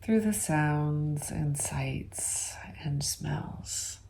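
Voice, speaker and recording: A woman leading an ASMR guided meditation in a soft, gentle, unhurried voice that slips toward a whisper, with long pauses. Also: low voice, gravelly.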